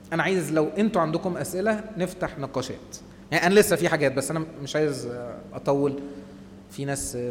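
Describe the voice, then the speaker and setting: A man with an Egyptian Arabic accent giving an animated church talk to a group, acting out the voices people use on themselves. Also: on the high side, long reverb tail, slight background noise. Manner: animated, acts out inner voices. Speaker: church speaker.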